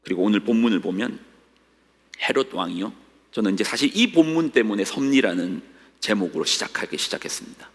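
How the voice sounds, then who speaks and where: A man's voice: lowish voice, lively intonation, fairly quick. A middle-aged male pastor preaching a sermon, dramatically voicing the complaints of the faithful with rising cries. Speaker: senior pastor. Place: church sanctuary. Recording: long reverb of a church hall.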